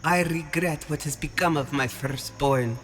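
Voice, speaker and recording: A man's voice: fairly high pitch, a little slow, a bit bright, long reverb tail, voice pushed up. A man voicing a regretful alien father who speaks to his queen in a humble, formal, earnest manner. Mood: humble, apologetic.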